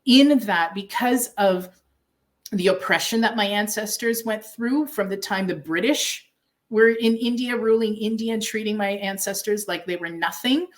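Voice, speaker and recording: Canadian woman guest talking slow and proud, earnest, pauses a lot. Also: mid-range voice. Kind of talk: heartfelt interview answer.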